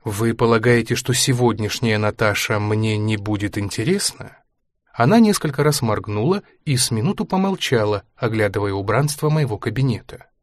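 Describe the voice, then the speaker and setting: A man narrating an audiobook in a calm, measured, even reading voice. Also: fairly low pitch, no echo, studio quality. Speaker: narrator, therapist in the story.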